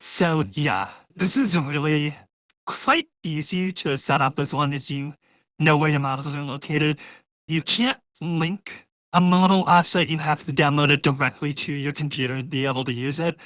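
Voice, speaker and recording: A man giving a casual, rambling software walkthrough, his voice processed by a real-time AI voice changer. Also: a little high, steady tone, normal speed, no room sound. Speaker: host demonstrating voice changer software.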